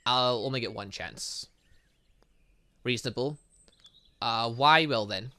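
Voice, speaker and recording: A gaming YouTuber reads a visual novel aloud in a let's play, throwing in his own commentary and frequently tripping over words before correcting himself. His voice is medium-pitched, slow, pushed and bright, captured in a dry recording.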